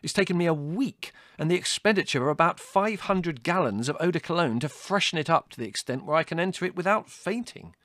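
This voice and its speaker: A man's voice: mid-range voice, big pitch swings, moderate pace, no echo, studio quality, pitched above the performer's own voice, close to an everyday voice. A man voicing an irascible young older brother in an audiobook, biting, sarcastic and theatrically indignant. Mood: withering. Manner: biting, withering, exaggerated indignation. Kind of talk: audiobook character dialogue.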